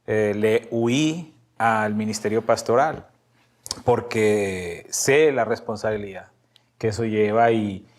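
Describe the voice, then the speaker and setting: A man's voice: lowish voice, slow. A middle-aged man from Medellín with a Colombian Paisa accent, a pastor telling stories of his life in an interview, laughing often and repeating his words. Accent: Colombian Paisa (Antioquia). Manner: laughs often, repeats himself, tells stories with voiced quotes. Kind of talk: relaxed storytelling interview.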